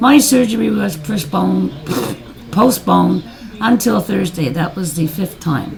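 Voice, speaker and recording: Against noticeable background noise, a woman talks at a fairly slow pace with very wide pitch swings. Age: 60s. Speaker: vlogger. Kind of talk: casual chat. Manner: animated.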